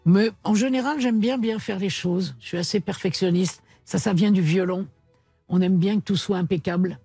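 A woman's voice: mid-range voice, normal speed, warm tone, husky, dry recording, soft background music. A woman being interviewed on a radio show as a composer, answering in a cheerful, chatty way. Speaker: musician and composer guest. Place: radio studio.

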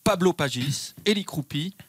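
Calm male radio pundit, dry studio. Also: fairly high pitch, moderate pace, breathy edge, no echo. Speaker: football pundit. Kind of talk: sports radio banter.

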